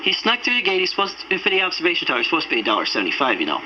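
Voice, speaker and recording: Sharp, lively teenage boy radio host. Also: a little high, very fast. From Minnesota, United States. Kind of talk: goofy homemade radio show patter. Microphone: portable cassette tape recorder. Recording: noisy lo-fi home cassette recording.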